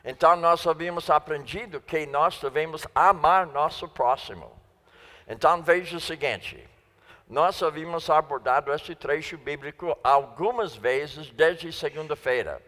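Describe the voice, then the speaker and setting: Guy preaching, not a native speaker, real slow, reverb from the church hall. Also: on the high side, a bit bright. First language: not Portuguese. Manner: slow, deliberate preaching, repeating key phrases. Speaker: guest preacher. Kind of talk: sermon. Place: church sanctuary.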